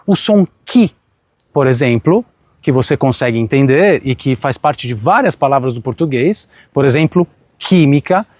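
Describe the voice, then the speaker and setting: Man teaching outdoors, higher voice. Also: a little mellow, dry recording. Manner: switches between Portuguese and Italian, spells out sounds slowly. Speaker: Italian teacher. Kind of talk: outdoor language lesson. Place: outdoors in a town. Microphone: phone recording.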